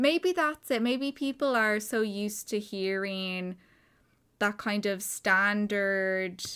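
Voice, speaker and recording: Speaking very slowly with an Irish accent, a woman uses a fairly high pitch with ordinary variation on a very clean recording with a silent background. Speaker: streamer reading chat comments.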